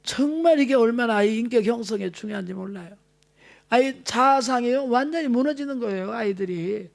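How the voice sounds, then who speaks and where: A woman's voice: fairly high pitch, fairly quick, gravelly. A woman in her sixties from South Korea, preaching a sermon as an evangelist, earnest and exhorting. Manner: earnest, exhorting, acts out quoted family talk.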